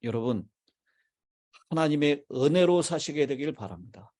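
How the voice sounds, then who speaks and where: Korean pastor preaching a measured sermon. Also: male voice, on the high side, animated, a little mellow. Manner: measured preaching, asks the congregation questions. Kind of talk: sermon with congregation call-and-response. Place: church sanctuary.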